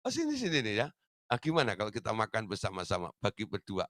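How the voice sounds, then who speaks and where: Low, coaxing dad figure voiced by a pastor mid-sermon, gentle and dry-sounding. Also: male voice, huge pitch swings, quick pace, dry recording. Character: fond middle-aged father testing his kids.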